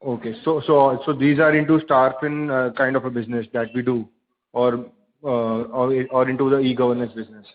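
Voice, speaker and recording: A man's voice: medium pitch, flat delivery. Polite man on a phone line. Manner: polite, halting. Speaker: investor asking questions. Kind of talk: earnings call questions.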